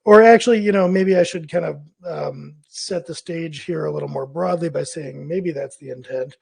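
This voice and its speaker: A man with a slightly high, raspy voice talks through freelance business questions in a loose, casual monologue. He sounds hoarse and scratchy as he recovers from laryngitis. He often stops to rephrase and correct himself mid-thought. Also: moderate pace, a little mellow. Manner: rambling, thinking aloud with frequent self-corrections. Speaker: freelance business advice host.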